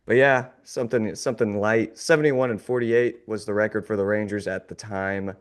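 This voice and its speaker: A man's voice: lowish voice, steady tone, moderate pace. A man hosting a casual sports podcast, his voice a little off as he recovers from an illness, talking in a glum, wry way. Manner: glum, sarcastic, laughing off the gloom. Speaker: podcast host.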